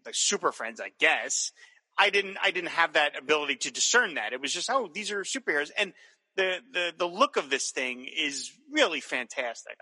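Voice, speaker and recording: Enthusiastic man with bright, ringing voice. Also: fairly high pitch, long reverb tail, poor audio. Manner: enthusiastic, rambling with many restarts. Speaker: podcast co-host. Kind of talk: casual chat reviewing old cartoons.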